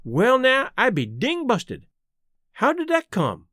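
A man acting Jim, high-pitched stubborn Southern man. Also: wildly swooping pitch, slow, bright, forceful tone, dry recording, studio quality, full character voice. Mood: baffled, indignant. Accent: American South. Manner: folksy dialect, emphatic argumentative questioning. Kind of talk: audiobook character voice.

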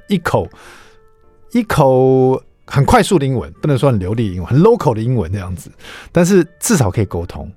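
A middle-aged radio host tells family stories in a relaxed, chatty manner. His medium-pitched voice is lively and animated, rising and falling freely. The close studio mic gives a dry sound, with faint music under it. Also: no room sound. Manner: chatty storyteller who drops English words into his speech. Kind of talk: casual radio chat, telling anecdotes.

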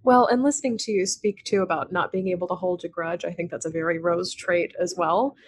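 A woman's voice: fairly low pitch, fairly even intonation, a little fast. Bubbly, giggly woman interviewer. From American South. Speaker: podcast interviewer. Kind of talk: conversational interview.

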